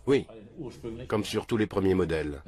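An older man sits in a small room answering questions for a documentary interview, matter-of-fact and earnest. His deep voice is animated with a darkish tone, at a moderate pace. He's recorded by a film crew mic off camera.

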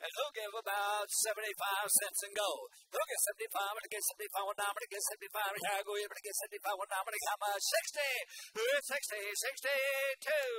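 An older male auctioneer speaks in a high, sharp voice. His delivery is folksy, repetitive and rhythmic. Arena noise sits clearly behind him. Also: fairly even intonation, fast, few pauses. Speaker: livestock auctioneer. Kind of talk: auctioneer chant and announcements. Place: indoor livestock show arena. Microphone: microphone at auction stand.

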